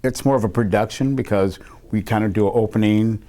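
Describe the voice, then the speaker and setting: Male guest, low voice, easygoing chatter with frequent laughs. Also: brisk, dark tone. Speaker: interview guest, performer. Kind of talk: casual interview chat.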